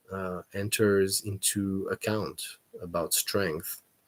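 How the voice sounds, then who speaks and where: In a French accent, a man speaks very slowly with a dark, mellow tone. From French-speaking Europe. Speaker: fitness youtuber. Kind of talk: live Q&A stream. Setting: live stream, home. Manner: halting.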